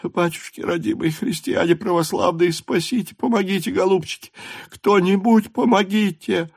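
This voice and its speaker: A man's voice: sits high, moderate pace, vocal fry, breathy edge, no echo, clean studio sound, pitched above the performer's own voice, full character voice. A man voicing a middle-aged townswoman who pleads and wails through sobs in an audiobook. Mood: sobbing plea. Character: desperate sobbing townswoman, middle-aged mother. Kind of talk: audiobook character voice.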